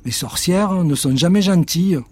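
A man's voice: sits high, darkish tone, breathy edge, dry recording, voice pushed up. A man voicing a cheeky, greedy male house cat who always complains of hunger, in a storybook reading. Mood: grumbling. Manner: complaining, greedy, quick to protest.

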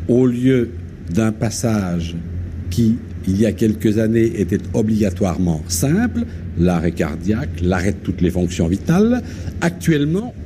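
A middle-aged male doctor on an old, worn archive tape from a 1963 broadcast, giving a formal, measured statement with long pauses. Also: fairly low pitch, mellow, a little hiss or hum. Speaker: hospital intensive care physician. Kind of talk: formal 1960s radio statement.

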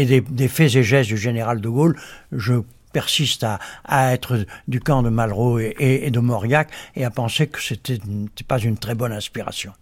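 A man, a journalist and biographer, speaking in a radio debate, hesitant with frequent restarts and repeated words. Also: medium pitch.

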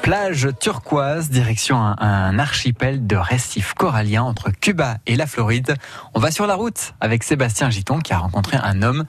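Husky male radio presenter. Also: medium pitch, very animated, moderate pace, no room sound, soft background music. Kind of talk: scripted radio intro.

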